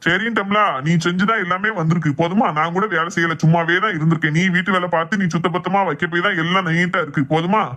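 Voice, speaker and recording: A woman's voice: fairly low pitch, steady tone, quick pace, hardly any pauses, a bit bright, lightly acted. A woman playing an exasperated middle-aged husband, grumbling and sarcastic. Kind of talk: comic family skit.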